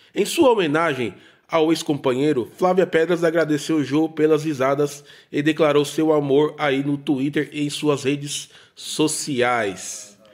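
With a Brazilian accent, a man talks at a fairly slow pace in a fairly high pitch with ordinary pitch variation, on a very clean recording with a silent background. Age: 30s. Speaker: YouTuber. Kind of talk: casual commentary to viewers; reading aloud news article.

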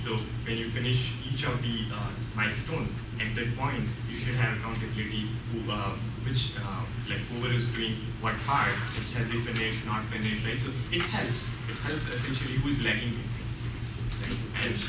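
Moderately paced speech from a man, with audible room echo and loud background noise. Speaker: instructor or teaching assistant. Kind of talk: lecture. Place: classroom. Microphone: camera far.

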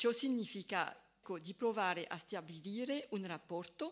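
Against a quiet background, a woman with a non-native accent speaks at a fairly slow pace with lively intonation. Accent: non-native Italian. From France. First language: French (speaking Italian). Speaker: neuroscientist; guest scientist lecturer. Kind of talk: lecture. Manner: halting. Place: hall. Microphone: podium.

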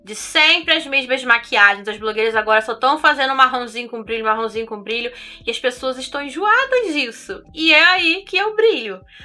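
A woman projects a raised voice at a high pitch with lively intonation and big swings in loudness. She keeps a moderate pace with hardly any pauses. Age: 30s. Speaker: beauty youtuber. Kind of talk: casual chat to camera while doing makeup. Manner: conversational.

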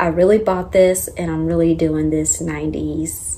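Upbeat in tone, a woman speaks with a Southern US accent. Her pace is fairly slow. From Greenville, South Carolina. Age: 30s. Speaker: stay-at-home mom, thrift haul vlogger. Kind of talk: casual talk to camera. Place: home room. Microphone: phone near.

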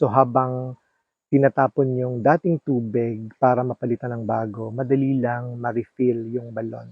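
Speaking with a Bicol accent, a man uses a medium pitch and a monotone, flat intonation at a fairly slow pace. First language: Bikol (speaking Tagalog). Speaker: farmer vlogger. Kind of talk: vlog narration.

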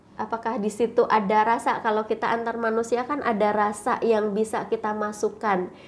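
With hardly any pauses, a woman talks at a fairly quick pace in a monotone, flat intonation. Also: fairly high pitch for a woman. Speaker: voice-over talent and homemaker; public talk show guest. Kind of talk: casual interview chat. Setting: studio. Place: studio. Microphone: lapel.

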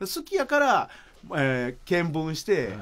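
With a Kansai accent, a man talks in very wide pitch swings. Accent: Kansai Japanese. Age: 50s. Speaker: broadcast writer; radio host or guest. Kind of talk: casual chat. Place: studio.

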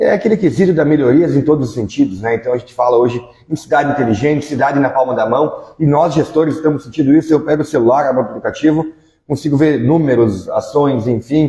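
A man's somewhat breathy voice, dark and mellow in tone, with ordinary pitch variation, a very fast pace and audible room echo. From southern Brazil. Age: 30s. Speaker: acting mayor. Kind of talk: interview. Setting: city hall. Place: office. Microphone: lapel.

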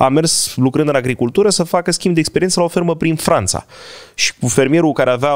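A man talks at a fairly high pitch. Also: quiet background. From Romania, Călărași county; Romania. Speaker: cemetery historian and tour guide; podcast guest. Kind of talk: casual chat. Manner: fast. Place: studio. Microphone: studio mic.

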